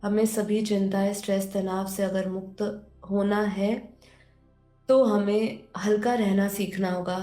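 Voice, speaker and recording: A woman guides a meditation in a soft-toned, mellow voice, speaking very slowly and repeating phrases as she gently instructs. Her delivery stays quite even in pitch. The voice carries a roomy echo. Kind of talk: guided meditation, spiritual teaching. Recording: roomy echo under background music. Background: music.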